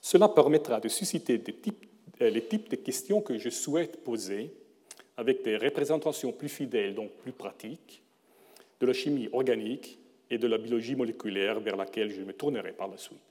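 A middle-aged man who is not a native speaker of the language, giving a formal prepared lecture with a careful, measured delivery and occasional self-corrections. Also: mid-range voice, mellow. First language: not French. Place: lecture hall. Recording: long reverb of a lecture hall.

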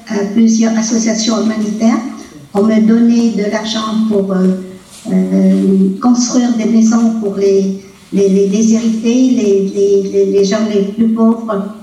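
A woman in her eighties from Vietnam, giving a halting personal testimony at a colloquium. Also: a little high, mellow. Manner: halting, with many hesitations and repeated words. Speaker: conference speaker. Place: lecture hall. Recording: roomy lecture hall, distant mic.

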